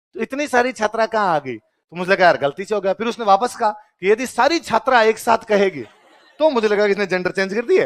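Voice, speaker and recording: Here a man speaks with a high pitch. His intonation is lively and his pace moderate. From Rajasthan, Ganganagar belt. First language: Rajasthani (speaking Hindi). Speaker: teacher. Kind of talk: lecture. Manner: casual, conversational.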